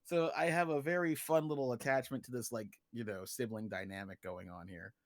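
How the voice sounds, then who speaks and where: A man's voice: mid-range voice, fairly even intonation, brisk, no room sound. A man in a casual livestream chat, explaining a fictional story world in an informal, joking way. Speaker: guest, creator of an original story universe.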